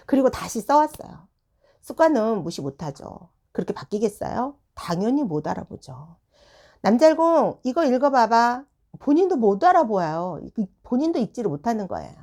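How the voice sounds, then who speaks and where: A woman's voice: medium pitch, fairly quick. A woman who runs a tutoring room, telling a classroom story in casual advice talk and acting out the dialogue. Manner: animated, acts out classroom dialogue.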